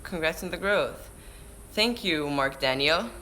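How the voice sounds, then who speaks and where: Teen guy w hebrew accent, bright voice, chatty live q&a by a window, faint room hum. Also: fairly high pitch, lively intonation, a little slow. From Israel. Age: teens. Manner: chatty, restarts mid-word, answers questions read aloud. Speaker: surfer vlogger. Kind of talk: live stream Q&A reading chat questions. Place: indoors by a window. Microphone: camera-mounted shotgun mic.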